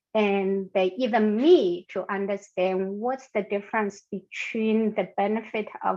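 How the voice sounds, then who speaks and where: This woman speaks at a fairly slow pace. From Asia, immigrant. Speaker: psychiatrist. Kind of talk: panel discussion.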